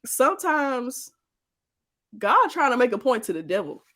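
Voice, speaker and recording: Lively Mississippi woman in her twenties. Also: on the high side, a little slow. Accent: Southern US, Mississippi. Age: 20s. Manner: animated, joking banter with her brother. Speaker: podcast co-host. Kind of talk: casual chat.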